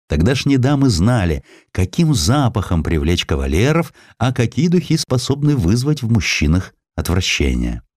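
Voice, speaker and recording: A man's voice: deep voice, a little mellow, dry recording, clean studio sound. A man narrating a historical essay as a scripted audiobook, reading expressively and acting out the quotes.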